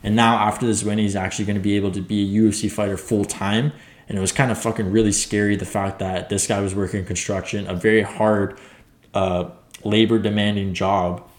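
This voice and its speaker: A young man casually recapping fights as a podcast host, rambling and excitable, swearing now and then. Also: on the low side, a little fast. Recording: echoey room.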